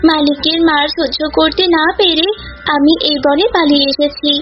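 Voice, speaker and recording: A woman's voice: high voice, fairly even intonation, normal speed, lightly acted. A woman voicing a clever, plucky cow in a cartoon, chatty and coaxing as she reasons things out. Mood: plaintive. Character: plucky, clever, long-suffering female cow. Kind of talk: cartoon voice acting. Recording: muffled cartoon audio with music.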